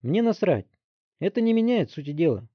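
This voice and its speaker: A man's voice: medium pitch, lively intonation, fairly quick, dry recording, close to an everyday voice. A man doing a cocky thirteen-year-old boy. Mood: boastful. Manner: sarcastic, brash, yelling taunts. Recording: dry, slightly dull recording.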